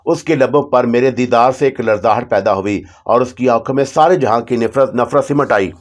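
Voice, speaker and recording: Guy reading a horror story in first person, steady and dramatic, average pitch. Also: moderate pace.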